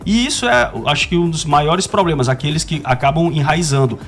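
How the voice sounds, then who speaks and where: Slightly high-voiced radio host. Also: male voice, a little fast, a bit bright, faint music behind. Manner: conversational, asks with tags like "né". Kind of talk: radio talk show commentary.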